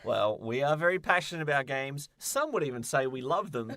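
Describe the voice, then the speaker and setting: A man's voice: mid-range voice, sing-song, a little fast, fairly bright tone. A man co-hosting a podcast, chatting casually with wry, joking commentary. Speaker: podcast co-host. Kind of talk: casual podcast chat about games and film.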